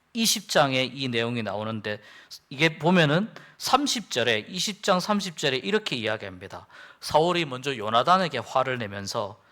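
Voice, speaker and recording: A man's voice: medium pitch, fairly bright tone. A male pastor giving a midweek sermon in church, retelling a Bible story in plain everyday words. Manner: storytelling, explains by retelling and paraphrasing. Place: church worship service.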